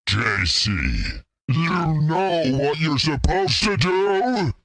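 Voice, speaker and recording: A podcast host voicing a menacing male demon through a layered echo effect, speaking in a slow, drawn-out way. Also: a little high, animated.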